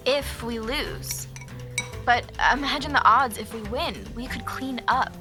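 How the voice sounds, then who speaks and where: A woman's voice: on the high side, measured pace, lightly acted. A woman playing a plucky, determined young skateboarder in an audio drama. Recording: music behind the voice.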